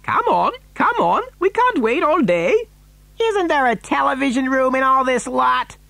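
A storyteller voicing an impatient, excitable young boy who demands and shouts, from a children's storybook. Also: high voice, unhurried, vocal fry, no echo, pitched above the performer's own voice, full character voice. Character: impatient, loud, television-mad young boy.

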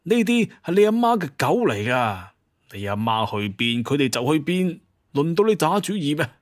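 A man's voice: on the high side, big pitch swings, moderate pace. A man playing a stern, irritable older father, scolding in a Cantonese audio drama.

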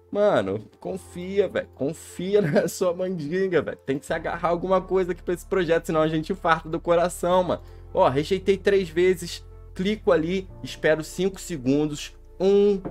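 A man with a Brazilian Portuguese accent, a gaming YouTuber giving excited gameplay commentary from his home, joking and throwing in slang fillers. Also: on the high side. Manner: hyped, joking, peppers talk with slang fillers. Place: home under renovation. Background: faint background music.

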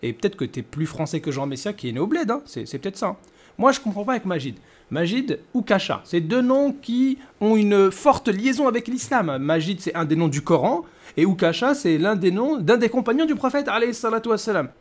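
A man's voice: high voice, big pitch swings, brisk. A man in his thirties giving a conversational rebuttal as a video host, with mocking, rhetorical questioning. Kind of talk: conversational rebuttal commentary to camera.

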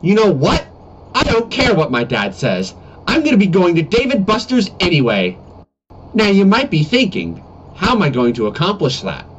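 Excitable, defiant animated schoolboy, played by a man, whiny and swooping, dull cheap-mic sound with faint noise. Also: high-pitched, moderate pace. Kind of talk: amateur comedy animation voice-over. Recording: muffled, noisy cheap webcam mic.

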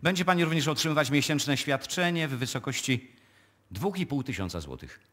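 Male notary: officious, discreet, medium pitch with wide swings, radio drama. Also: expressive, fairly bright tone. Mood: formal, official. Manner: measured, formal, officious. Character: formal, discreet male small-town notary. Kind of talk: live radio play acting.

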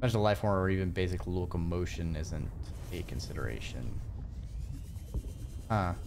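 A man's voice: deep voice, lively intonation, moderate pace, noisy background. A man livestreaming a video game with casual, rambling, hesitant commentary.

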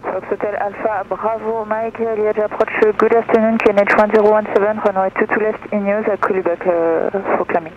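A man working as an approach controller, greeting a pilot and giving clearances over the radio in measured phrases. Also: high voice, level tone. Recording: tinny noisy aircraft radio.

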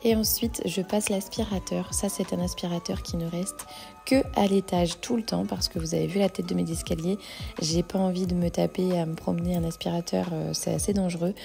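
A woman's voice: lowish voice, steady tone, a little fast, gravelly, mellow. A woman in her thirties, a home cleaning vlogger, chatting casually and walking through her chores step by step. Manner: chatty, self-motivating, explains step by step. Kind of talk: casual vlog narration. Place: large modern home interior. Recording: echoey room, faint background music.

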